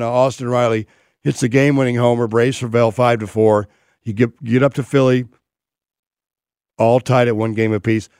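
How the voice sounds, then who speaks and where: A raspy, gravelly-voiced man hosts a sports talk show, talking through a game in a loose, rambling way. The sound is close and dry, with no room around him. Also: mid-range voice, darkish tone, no echo. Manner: rambling, conversational analysis.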